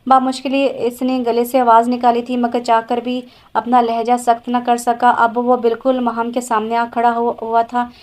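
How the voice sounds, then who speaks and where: A woman narrating an audio romance novel in a steady reading voice. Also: on the high side.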